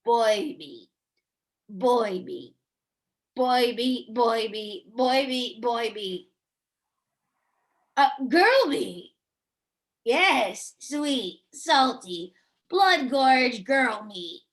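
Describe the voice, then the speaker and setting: A woman's voice: a little high, sing-song, drawn-out words, long pauses, exaggerated voice. A woman playing a predatory child-eating clown monster in an amateur horror table read, savoring each phrase in a sing-song manner. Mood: hungry, savoring.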